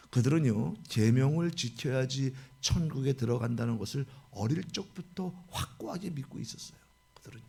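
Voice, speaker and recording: A man with a high, gravelly voice preaches a sermon. His tone is husky and a little rough. He tells the story in lively swings, from loud exclamations down to hushed asides. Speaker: pastor.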